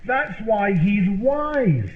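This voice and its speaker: A man with a high voice plays earnest, huffy radio comedy. The sound is thin and phone-like, with a roomy echo around him. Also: sing-song, drawn-out words. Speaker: comedy show host performer. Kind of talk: scripted old-time radio comedy sketch. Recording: narrow tinny, roomy, faintly noisy radio sound.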